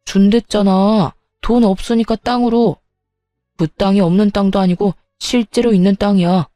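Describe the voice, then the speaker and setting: A woman voicing a scheming older mother-in-law who speaks in a haughty, slow and deliberate way. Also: medium pitch, steady tone, dark tone, no echo, clean studio sound, faint music behind, close to an everyday voice.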